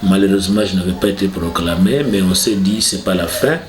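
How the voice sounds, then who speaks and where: A man with a Congolese French accent and a very low voice answers interview questions as a politician. He speaks in a formal, measured way. The room is echoey, with a faint hiss of noise behind him. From South Kivu, Congo. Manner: formal, measured self-presentation. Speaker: politician, guest.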